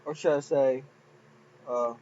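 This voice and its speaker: A man's voice: medium pitch, steady tone, slow, a little mellow, muffled recording. A man casually commenting on his own game files, rambling and giggly. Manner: rambling, giggly, self-mocking. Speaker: game modder.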